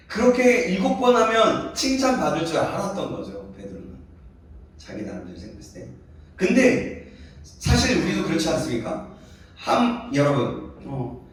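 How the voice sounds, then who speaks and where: A male pastor giving a sermon to a youth congregation, conversational and full of questions to the listeners. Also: sits high. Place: church sanctuary. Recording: very echoey hall, voice from a distance.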